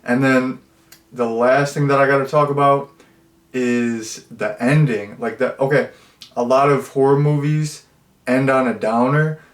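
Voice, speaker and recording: Casual male film reviewer, meandering and jokey, mid-pitched, in a roomy echoey space. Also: fairly even intonation, a little slow. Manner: rambling, full of fillers and jokey asides. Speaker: movie reviewer. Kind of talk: casual chat. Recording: roomy echo.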